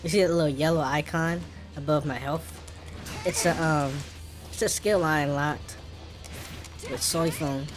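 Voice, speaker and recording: African American English accent, casual gameplay commentary, streamer, middling pitch, clear background music. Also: fairly even intonation, measured pace, long pauses. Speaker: gaming streamer.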